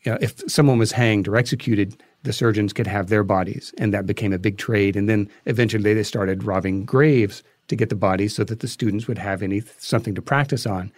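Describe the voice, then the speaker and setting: A man being interviewed as a guest, telling anecdotes conversationally and haltingly as he thinks aloud. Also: fairly low pitch, steady tone, dry recording.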